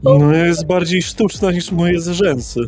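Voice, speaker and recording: Male player as vain, foul-mouthed vampire socialite lady. Theatrical, catty, slow, music underneath. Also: fairly high pitch, fairly even intonation, darkish tone. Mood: catty, scornful. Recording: music behind the voice.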